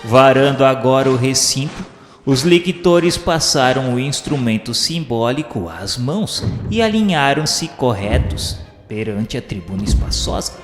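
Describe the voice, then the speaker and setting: Radio drama narrator, male actor: solemn witness, mid-pitched, literary and grave, heavy reverb over music. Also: animated, a little slow, close to an everyday voice. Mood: grave recounting. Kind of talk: scripted first-person radio drama narration. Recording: long echoing reverb, music bed underneath.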